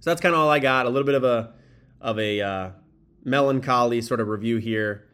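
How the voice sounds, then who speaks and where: A man's voice: mid-range voice, a little fast, fairly bright tone, smooth. A man hosting a sports podcast solo, casually rambling as he thinks aloud, recorded on a makeshift mic in an echoey spot. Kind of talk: solo baseball commentary, casual. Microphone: makeshift mic, not the proper one. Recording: echoey room, improper microphone.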